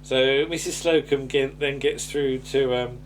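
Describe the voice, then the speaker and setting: Here a male podcast host recaps an episode of a television sitcom in a relaxed, somewhat hesitant chat, rambling and chuckling along. His medium-pitched voice holds a steady tone at a slightly slow pace, and a faint hiss or hum runs under the recording.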